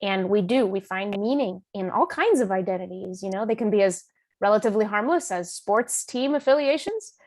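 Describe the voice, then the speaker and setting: A woman author being interviewed, speaking in an animated, emphatic and informal storytelling way. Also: medium pitch, moderate pace, no room sound. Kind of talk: conversational storytelling in a public talk.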